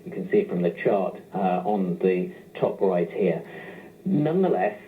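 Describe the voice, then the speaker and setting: A man giving a corporate presentation as a chief executive, phrasing things deliberately with frequent hesitations. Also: low voice, lively intonation. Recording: tinny, narrow phone-line sound.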